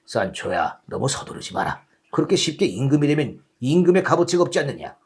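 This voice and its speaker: A man's voice: mid-range voice, very animated, a little fast, slightly rough, pitched below the performer's own voice. A man voicing a gallant, deluded old knight with a solemn, declamatory manner in a storybook tale. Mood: soothing.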